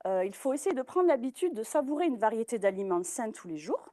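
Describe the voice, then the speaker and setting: A woman's voice: a little high, big pitch swings, fairly quick, mellow, dry recording. A young woman giving a presentation as a dietitian, hesitant, with many fillers and restarts. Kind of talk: informal talk presentation.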